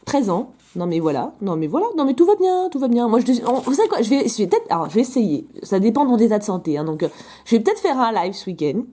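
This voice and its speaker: A woman opening fan mail in a casual vlog, chatty and gushing, her voice still rough from being sick. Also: fairly high pitch, very animated, fast, warm tone. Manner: chatty, gushing over drawings, interrupts herself. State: recovering from illness, voice a bit rough.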